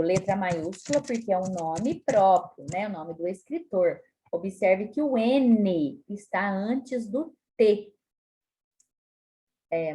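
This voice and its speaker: A woman with a Brazilian Portuguese accent teaching a spelling lesson to children, explaining patiently and stretching words out slowly. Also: medium pitch, warm tone. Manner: slow, stretches words out syllable by syllable; frequent tag questions, patient explaining tone. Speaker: primary school teacher.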